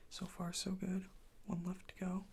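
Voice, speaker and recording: A softly whispering ASMR performer playing a medical examiner, gently reassuring and giving step-by-step instructions in a breathy voice. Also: medium pitch, monotone, moderate pace. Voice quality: breathy whisper with some creaky fry. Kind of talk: ASMR role play, soft whispering to the listener. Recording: faint background noise.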